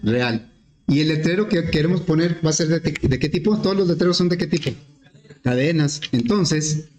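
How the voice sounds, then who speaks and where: Man, programming teacher, patient step-by-step questions, somewhat high voice, echoey room. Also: darkish tone, muffled recording. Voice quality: clears his throat often. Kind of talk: screen-recorded class explanation.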